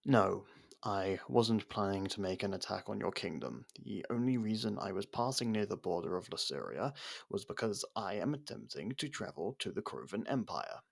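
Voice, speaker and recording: An actor playing a proud, defiant captured royal in an ASMR roleplay, speaking in a haughty, halting, dramatic way. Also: male voice, on the low side, expressive, vocal fry. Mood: resigned, disdainful.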